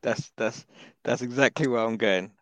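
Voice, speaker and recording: A man with a hoarse voice, a podcast panelist talking in a rambling, casual way full of fillers and restarts. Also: mid-range voice, normal speed, dry recording. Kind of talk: casual chat.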